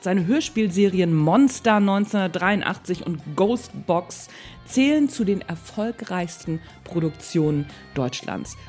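A woman's voice: fairly low pitch, darkish tone. A woman hosting a podcast, talking in an enthusiastic, informal way as she introduces and interviews.

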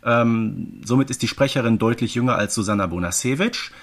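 A man's voice: medium pitch, a little fast, vocal fry. A man from the Ruhr area co-hosting a podcast, giving informative commentary in a chatty way with frequent question tags. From Ruhr area, Germany. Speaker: podcast co-host.

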